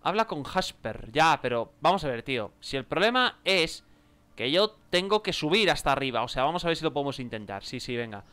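A young Spaniard gives gameplay commentary in a smooth, clear voice that sits fairly high for a man. He talks in a casual, self-mocking way and improvises joking banter with the characters on screen. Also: very animated, a little fast, pushed and bright. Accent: Spain Spanish. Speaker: gameplay video creator.

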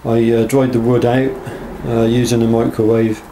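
Male craftsman, understated and halting, casually presenting handmade work on a camera mic with noticeable background noise. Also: mid-range voice, level tone, dark tone, rough recording. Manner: hesitant, unscripted, understated. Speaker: knife maker presenting work. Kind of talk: casual workshop show-and-tell. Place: small block-walled workshop.

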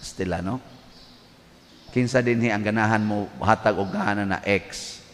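A man with a Cebuano accent, a priest giving a humorous homily, telling jokes in an animated storyteller's way. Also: lowish voice, measured pace. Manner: joking storyteller, animated asides. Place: large church. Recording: distant voice with long hall reverb, faint background noise.

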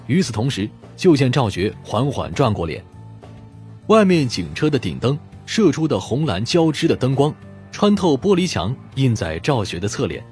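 Male narrator, mid-pitched, lively and dramatic delivery of crime fiction, light music bed. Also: moderate pace. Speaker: audiobook narrator.

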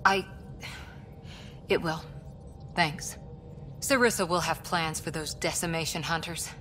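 An actress playing a tough military lieutenant, speaking in a clipped, determined way over soft game music. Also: female voice, low-pitched, fairly even intonation, measured pace. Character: tough female military lieutenant, driven and loyal. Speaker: soldier.

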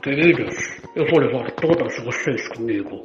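A man's voice: medium pitch, expressive, moderate pace, natural voice. Boastful Brazilian womanizing dad, acted by an older man, radio drama, roomy lo-fi sound. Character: boastful womanizing father wooing many women. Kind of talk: amateur radio drama acting. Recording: echoey, dull lo-fi audio with music.

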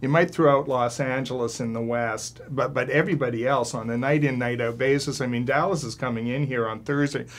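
A man's voice: mid-range voice, fairly even intonation, fairly quick, few pauses. Older male columnist, emphatic, stuttering starts. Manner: emphatic, repeats words when starting. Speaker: sports columnist. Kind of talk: sports panel discussion. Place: studio with panel seated on stools.

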